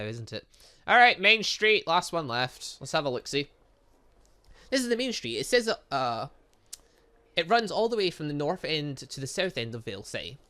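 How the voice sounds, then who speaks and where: Animated, high-voiced man reading game dialogue. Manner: expressive read-aloud, often stumbling over words. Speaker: gaming channel host. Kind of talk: let's play, reading visual novel dialogue aloud with side comments.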